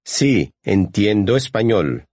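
Male model speaker, lowish voice, lively intonation, deliberate pronunciation for repetition. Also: no echo, studio quality. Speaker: model speaker in a language course.

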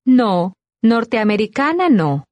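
A woman reading scripted dialogue lines for a language course with clear, careful enunciation. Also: a little high, big pitch swings, unhurried, darkish tone, no room sound, lo-fi sound.

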